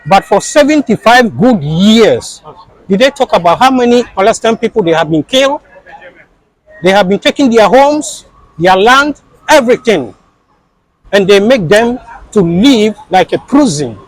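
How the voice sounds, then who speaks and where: High-voiced man, insistent interviewee. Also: big pitch swings, normal speed, no room sound, rough recording. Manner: impassioned, insistent, repeats his points.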